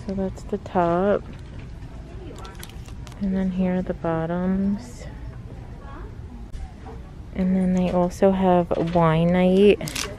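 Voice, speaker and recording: Inside a large clothing store, a woman vlogs from behind a handheld camera, thinking aloud in casual, chatty shop-with-me commentary. Her lowish voice is level and dark, very slow, with frequent pauses. The rough recording carries faint background noise and store ambience.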